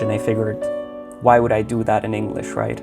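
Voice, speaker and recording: A man's medium-pitched voice with a Lebanese accent, music in the background. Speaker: polyglot language educator. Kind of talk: casual talk to camera.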